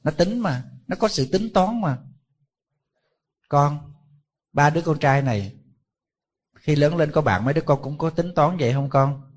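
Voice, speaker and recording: Husky monk preaching. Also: male voice, on the high side, animated, a little slow, long pauses. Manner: conversational storytelling with rhetorical questions to the audience. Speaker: Buddhist monk giving a dharma talk. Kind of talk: sermon.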